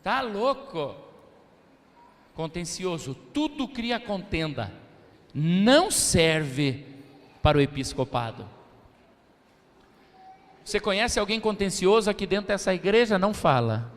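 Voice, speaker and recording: A man with a Brazilian Portuguese accent preaching to a congregation, his high voice leaping up and down with lively swings of pitch. He calls for responses and mimics church members. The sound carries a long reverb from the church hall. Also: a little slow, long pauses. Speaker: pastor. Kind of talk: sermon.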